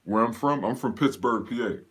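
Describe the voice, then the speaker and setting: A man's voice: medium pitch, brisk, a bit bright, breathy edge. A man from Pennsylvania, raised in North Carolina, casually hosting a live fitness Q&A and greeting viewers by name in a slangy, laid-back way. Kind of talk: casual livestream chat.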